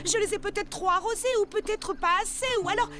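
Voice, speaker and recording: A woman's voice: extremely high pitch, fast, over music. A woman voicing a sweet, earnest little girl in a children's cartoon dub, speaking politely. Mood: dejected.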